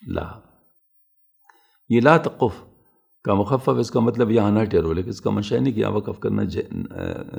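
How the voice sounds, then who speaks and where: A man with a low, heavily gravelly voice teaches a religious lesson. His tone is dark and husky, and he explains methodically and patiently, one point at a time.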